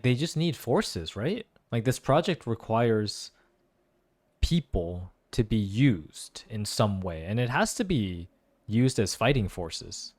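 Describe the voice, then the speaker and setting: A man giving exclamatory reaction commentary on a game story, musing aloud as a gaming content creator. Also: medium pitch. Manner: animated, exclamatory, muses aloud.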